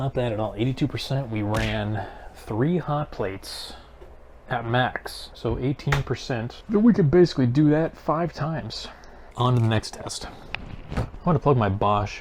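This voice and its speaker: A man talks at a medium pitch and moderate pace with ordinary pitch variation. Noticeable background noise sits behind him. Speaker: van life vlogger. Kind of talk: casual vlog narration. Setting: inside a converted moving truck at night.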